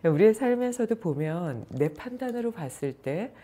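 A woman's voice: lowish voice, very animated, normal speed, mellow. A middle-aged woman, a yoga and meditation teacher, telling anecdotes in a chatty, playful way. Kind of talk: storytelling talk.

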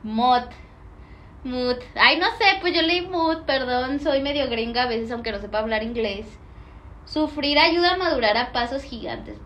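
A woman's voice: a little high, fairly bright tone, a little hiss or hum. A young woman with a Mexican Spanish accent chatting casually on a livestream, reading viewer comments, slangy and playful, laughing often.

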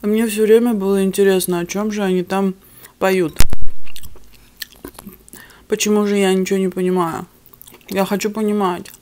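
A woman's voice: mid-range voice, little pitch movement, moderate pace, pauses often, darkish tone. A young woman whose first language is not Russian, chatting candidly to camera between bites in her living room. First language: other than Russian. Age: young adult. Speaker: mukbang vlogger. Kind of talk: casual chat to camera while eating. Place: living room at home, indoors. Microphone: camera on the table in front of her.

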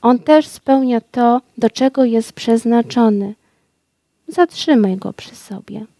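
A woman voicing a small, wise and kind male nightingale in a storybook reading, speaking softly and tenderly. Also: a little high, steady tone, slow pace, no echo.

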